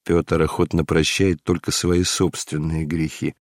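A man's voice: very deep voice, flat delivery, measured pace, dry recording, clean studio sound, voice pushed down. A man reading aloud and voicing an earnest young man comforting his beloved. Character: hot-tempered man, tender toward his beloved.

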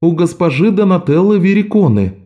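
A man doing a smooth, courteous young swindler. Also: high-pitched, animated, moderate pace, highs cut off, pitched above the performer's own voice. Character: young male swindler posing as a polite law clerk.

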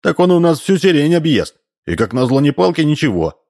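A man's voice: on the high side, big pitch swings, fairly quick, darkish tone, pitched above the performer's own voice. A man reading an audiobook, voicing a brash, blunt male neighbour in a raised voice. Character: brash shaggy-haired neighbour, adult man.

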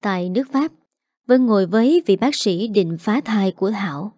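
A woman reading a dramatic story aloud, narrating in a steady scripted style and voicing every character herself. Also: medium pitch, moderate pace, dry recording, studio quality.

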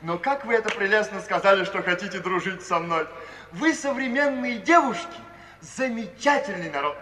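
An actor playing a gentle, flustered middle-aged artist in a 1950s radio play, hesitant and effusively polite. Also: male voice, sits high, moderate pace, a little hiss or hum. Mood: delighted, effusive. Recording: distant, echoey hall, old 1950s radio recording.

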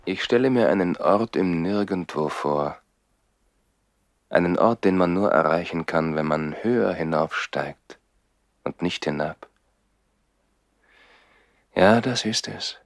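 Slow, deep, musing young baron. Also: male voice, vocal fry, no echo, studio quality, full character voice. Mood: dreamy, musing. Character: dreamy young baron living in the trees. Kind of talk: 1960s German radio drama acting.

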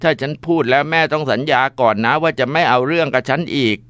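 A man's voice: very slow, warm tone, smooth, no room sound. A sobbing young daughter, voiced by a man. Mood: crying, fearful. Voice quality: crying, high and strained.

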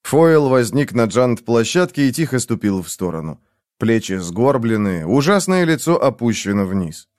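A man narrates a story with lively, animated pitch. The recording is dry and close, with no room sound. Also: normal speed, no room sound. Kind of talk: audiobook narration.

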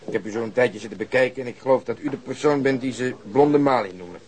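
An actor playing a composed, persistent police detective in a radio crime drama, polite, firm and matter-of-fact. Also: male voice, medium pitch, fast, a little mellow, natural voice. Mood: calm, firm.

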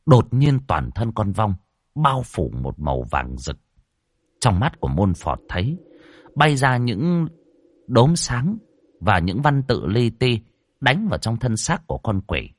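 A man narrating a ghost story with animated, dramatic delivery. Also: lowish voice, measured pace, no room sound.

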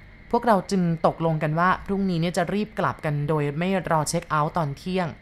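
A woman's voice: fairly low pitch, fast talker. A woman narrating a ghost story to her listeners in a polite, storytelling manner.

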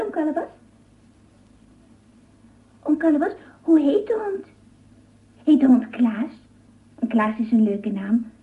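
A woman voicing a whimsical, inquisitive little girl with childlike prattle in a radio play. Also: extremely high pitch. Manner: childlike prattle, endless naive questions. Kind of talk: Dutch radio play acting. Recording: muffled lo-fi old radio recording.

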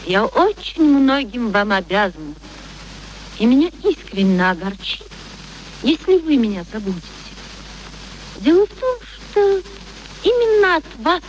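A woman's voice: mid-range voice, poor audio. An actress playing a proud young former street girl turned lady, speaking with mannered, pointed politeness in a radio play. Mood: wounded, pointed. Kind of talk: theatrical radio play acting. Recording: faint background noise, archive radio recording.

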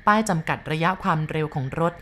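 A woman narrating a ghost story at a steady, measured pace. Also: sits low, a little hiss or hum.

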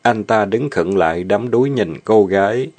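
A man narrating a dramatic story reading, steady and plain. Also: fairly low pitch, normal speed, husky. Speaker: story reader.

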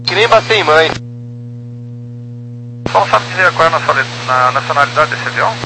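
Brazilian pilot talking over a cockpit radio. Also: male voice, a little high, animated, fairly quick. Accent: Brazilian Portuguese. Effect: heard over a cockpit radio headset. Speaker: airline pilot. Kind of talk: radio talk with air traffic control. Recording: noisy aviation radio channel.

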